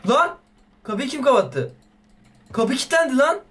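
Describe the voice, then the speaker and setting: A young man commentating a horror game as a YouTuber, excitable and swearing playfully at the baby. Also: very high-pitched, moderate pace, a little hiss or hum. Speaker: gaming YouTuber. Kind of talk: let's play commentary.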